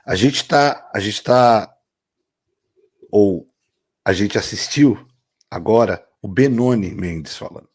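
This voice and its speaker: A man's voice: lowish voice, takes it slowly, long pauses, husky. A man from Brazil hosting a reaction video, talking to viewers and praising what he has just watched. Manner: warm, repeats praise, addresses viewers directly. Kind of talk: casual reaction commentary.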